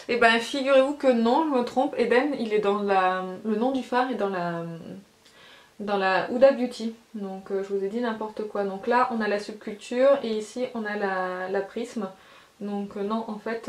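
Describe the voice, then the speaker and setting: A woman vlogger swatching eyeshadows in casual chat, hesitant with many fillers. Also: fairly high pitch. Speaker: beauty vlogger. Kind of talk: casual makeup swatch talk. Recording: roomy echo.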